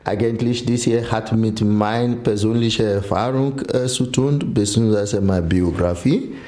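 A man from Nigeria, an association chairman, speaking haltingly in an interview with many pauses. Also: on the low side, mellow. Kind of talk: interview statement.

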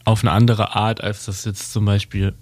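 A man's voice: on the low side, level tone, normal speed, darkish tone, husky, dry recording. A man co-hosting a casual radio talk show, hesitant and full of fillers, using loose slang. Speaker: radio co-host. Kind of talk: casual radio chat about literature.

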